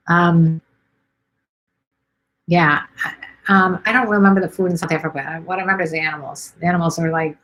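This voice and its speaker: A woman's voice: fairly low pitch, a bit bright, low-quality recording. A middle-aged woman from Chicago hosts a live stream, chatting casually and rambling with lots of ums as she reads viewer comments. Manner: chatty, rambling, many ums and let's sees.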